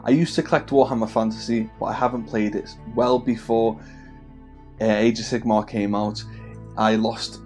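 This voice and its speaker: A man's voice: on the low side, steady tone, normal speed, darkish tone, soft background music. A man in his thirties from the Wirral, with a Scouse-tinged accent, chatting casually to camera as the host of a hobby channel, friendly, with many fillers and restarts. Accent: Wirral, with a Scouse twang. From the Wirral, England. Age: 30s.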